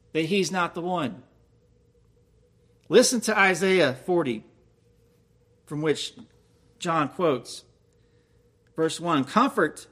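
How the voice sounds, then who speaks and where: Bright-voiced man preaching a sermon. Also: on the high side. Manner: reads scripture aloud then explains it, asks listeners questions. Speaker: pastor.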